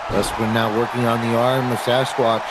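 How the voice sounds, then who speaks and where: A man's voice: medium pitch, little pitch movement, normal speed. A man working as second wrestling commentator, giving terse descriptive calls and counting pins. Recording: very loud crowd and noise behind. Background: roaring crowd, arena noise.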